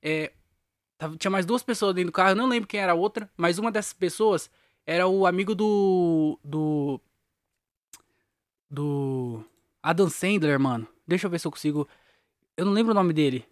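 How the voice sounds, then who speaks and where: A man's voice: fairly high pitch, no room sound, studio quality. A young man, hosting his podcast alone and telling a long, rambling story in slangy talk, laughing at himself. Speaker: podcast host. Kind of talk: casual solo podcast storytelling.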